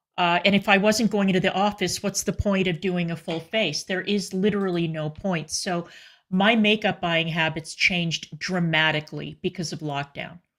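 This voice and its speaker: A woman with a normal speaking voice and medium pitch speaks at a moderate pace with fairly even intonation and hardly any pauses. The recording is very clean with a silent background. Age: 50s. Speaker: livestream host and former makeup YouTuber. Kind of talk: casual livestream chat. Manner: conversational, with frequent fillers and restarts.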